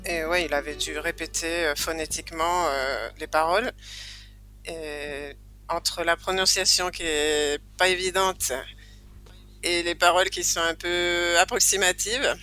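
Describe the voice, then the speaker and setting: A man's voice: on the high side, steady tone, a little slow, bright, forceful tone, soft background music. A man guest on a podcast, chatting casually and laughing as he explains. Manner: cheerful, laughs often while explaining. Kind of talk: casual chat.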